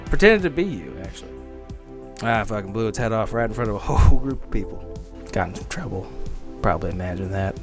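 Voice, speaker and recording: A man's voice: lowish voice, expressive, quick pace, over music, natural voice. A man voicing a bitter, grieving, hard-drinking husband and father in a tabletop game, guarded and wry. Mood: bitter, vengeful. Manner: guarded, wry, world-weary.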